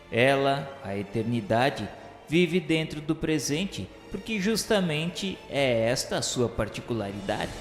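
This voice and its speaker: A Brazilian man narrating a radio novel in a solemn, formal, declamatory dramatic style. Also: mid-range voice. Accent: Brazilian Portuguese. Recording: very echoey hall reverb over music. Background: background music.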